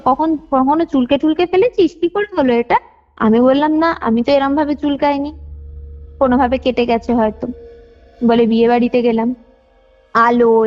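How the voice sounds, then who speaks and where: A young woman telling a personal story in detail on a phone call, repeating phrases for emphasis. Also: high-pitched. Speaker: caller sharing a personal ghost experience. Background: faint music.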